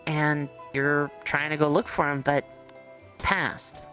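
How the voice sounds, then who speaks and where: A game master improvising second-person roleplay narration in a conversational, halting way. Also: medium pitch, steady tone, bright, forceful tone, faint music behind. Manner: conversational, halting storytelling with hedges.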